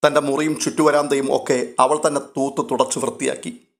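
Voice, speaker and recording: A man narrating a story recap of a TV serial in a steady, dramatic storytelling way. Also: mid-range voice, a little fast.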